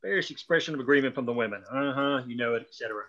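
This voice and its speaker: Man, screenplay narrator, bright forceful voice, scripted reading, dull lo-fi recording. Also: mid-range voice, very fast. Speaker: narrator reading stage directions at a script table read.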